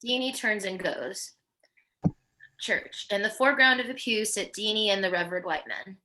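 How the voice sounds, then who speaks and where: A woman's voice: medium pitch, moderate pace, sharp tone, poor audio. A woman narrating the stage directions of a screenplay at a table read.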